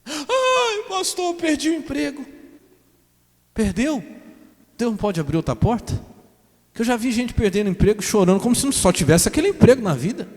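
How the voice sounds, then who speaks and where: A man's voice: high-pitched, darkish tone. A man with a Brazilian accent preaching an evangelical sermon, prompting the congregation with rhetorical questions. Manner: call-and-response rhetorical questions. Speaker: pastor. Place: church service hall. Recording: echoey church hall.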